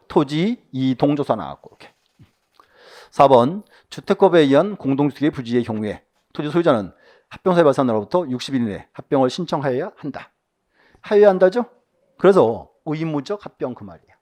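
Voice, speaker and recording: A male instructor walks through exam questions, his voice sitting a little high and swinging widely in pitch. He reads each item aloud and then quizzes his students with short rhetorical questions, sometimes dropping to a quiet aside.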